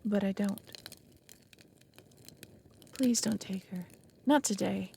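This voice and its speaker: A woman playing a lonely, creaky-voiced female dragon. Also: mid-range voice, dark tone, slight background noise. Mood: pleading, afraid. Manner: halting, earnest, formal wording. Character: anxious, lonely, possessive female dragon, awkwardly smitten. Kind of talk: ASMR roleplay audio drama.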